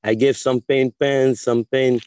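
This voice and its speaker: Man in his forties, first language French, halting and restarting, dry close sound, video call. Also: mid-range voice, little pitch movement, warm tone, clean tone, dry recording. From Senegal. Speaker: panelist. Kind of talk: online panel discussion.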